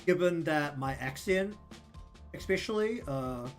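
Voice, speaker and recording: A man's voice: a little high, expressive, unhurried. A man with a New Zealand accent chatting casually on his livestream, rambling with lots of ums and likes. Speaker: streamer and artist. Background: faint lofi music.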